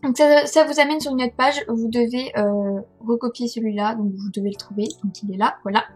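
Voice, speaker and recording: Young French-accented woman vlogger, hesitant and self-mocking, breathy voice, headset mic. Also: on the high side, fairly even intonation, fairly quick, a little mellow, faint music behind. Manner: chatty, hesitant, many fillers and self-corrections; laughs at herself. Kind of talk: casual screen-recording tutorial.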